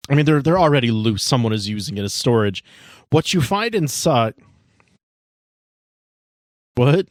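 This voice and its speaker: A man's voice: medium pitch, lively intonation, normal speed, no room sound, clean studio sound. A man narrating as game master of a tabletop game, describing scenes casually with asides and restarts.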